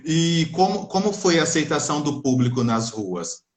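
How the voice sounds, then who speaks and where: A man's voice: fairly high pitch, animated, moderate pace. A man interviewing an actress, asking chatty questions full of fillers. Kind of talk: casual interview.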